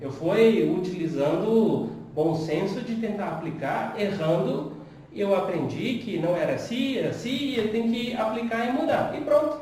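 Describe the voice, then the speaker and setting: A woman hosts a casual conversation in a language she learned later, talking in an animated, expressive way. Her pitch moves a lot from phrase to phrase. She is recorded from a distance in a room with heavy echo and faint noise. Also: moderate pace. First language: not Portuguese.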